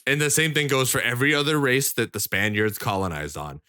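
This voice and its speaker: A man co-hosts a casual podcast, arguing hard and swearing freely. His voice is bright and forceful at a middling pitch. The sound is dry and close, with no room echo. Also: big pitch swings, brisk, clear, resonant tone. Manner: argumentative, profane, presses questions. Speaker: podcast co-host. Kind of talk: casual chat.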